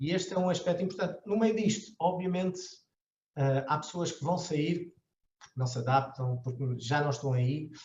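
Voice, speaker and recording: Somewhat breathy and dark, mellow in tone, this man's voice shows ordinary pitch variation. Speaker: company director and university lecturer. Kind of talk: conference Q&A. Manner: halting, many fillers and repetitions.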